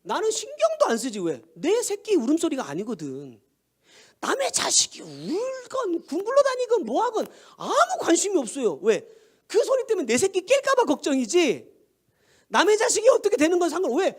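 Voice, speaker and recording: Animated, high-voiced male pastor. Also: moderate pace. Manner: conversational, asks rhetorical questions and answers them. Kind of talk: sermon.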